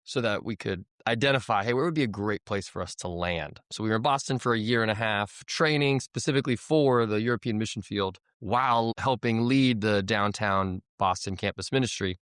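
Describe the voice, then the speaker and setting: A man in his thirties from the United States, a missionary guest telling his story in a relaxed, rambling way. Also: fairly low pitch, fairly quick, few pauses, clear, resonant tone, no room sound, studio quality. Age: 30s. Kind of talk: conversational interview storytelling.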